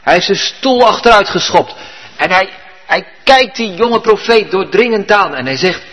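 A man's voice: high-pitched, big pitch swings, moderate pace, a bit bright, breathy edge. A male pastor preaching a sermon in church, telling the story vividly and earnestly. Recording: dull recording with long hall reverb.

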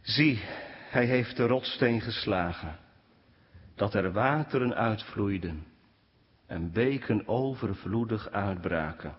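A man preaching a sermon to his congregation, speaking with animated swings in pitch. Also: slow pace. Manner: animated preaching, rising pitch when quoting complaints. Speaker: pastor. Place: church. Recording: dull sound with long church reverb.

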